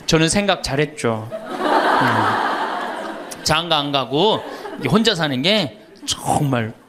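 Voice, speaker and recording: Over a loud crowd and heavy background noise, a middle-aged priest speaks slowly in a slightly high voice during a humorous lecture. He tells animated stories, teases the audience with questions, and often laughs.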